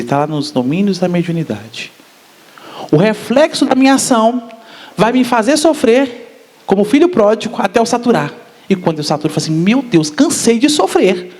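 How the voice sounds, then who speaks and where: A man giving a spiritist public lecture, often asking the audience questions. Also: high-pitched. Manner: asks the audience questions, animated.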